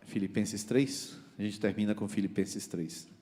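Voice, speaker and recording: A man preaching a church sermon. He swings from loud, high exclamations to quiet, low asides and keeps asking the congregation questions. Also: fairly even intonation, unhurried, long reverb tail. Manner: talks straight to the congregation with rhetorical questions. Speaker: pastor.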